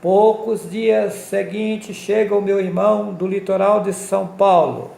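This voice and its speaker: Man from minas gerais, personal testimony, very gravelly voice, high for a man, echoey room. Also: steady tone, mellow. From Minas Gerais, Brazil. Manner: slow, solemn storytelling. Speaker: testimony speaker.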